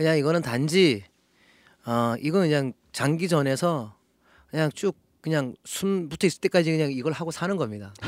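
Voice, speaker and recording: A man with an ordinary speaking voice has a fairly high pitch and lively intonation. The recording is very clean, with a silent background, and the sound is dry and close with no echo. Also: moderate pace. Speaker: band member interviewed. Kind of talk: interview and live music chat. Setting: studio.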